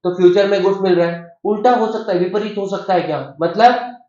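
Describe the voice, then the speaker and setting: High-voiced Indian lecturer in echoey classroom. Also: male voice, fairly even intonation, mellow. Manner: drills students with quick questions, slows right down for definitions. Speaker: law lecturer. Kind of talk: classroom lecture in Hindi-English mix. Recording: echoey classroom, picked up from a distance, dull sound.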